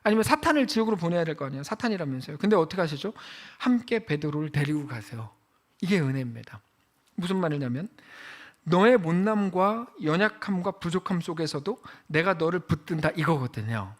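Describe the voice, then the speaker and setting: A man preaching a sermon as pastor, passionate, rising to loud high outbursts and dropping to quiet low stretches as he reads scripture and speaks God's words to the listener. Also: animated, quick pace.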